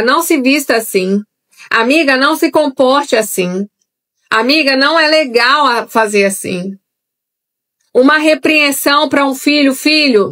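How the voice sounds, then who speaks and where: Woman doing a live bible study, kinda high voice, chatty, talks right to the viewers. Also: fairly bright tone. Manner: conversational, talks directly to viewers. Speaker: Bible teacher.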